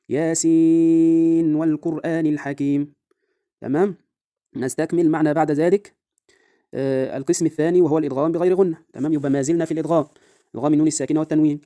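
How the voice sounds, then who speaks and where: A man with an Egyptian accent teaching Quran recitation rules. He keeps checking in with listeners and slows into a drawn-out chant for each recited example. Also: a little high, dark tone, dry recording, clean studio sound. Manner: checks in with a repeated rhetorical "right?". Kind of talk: tajweed lesson with recited examples.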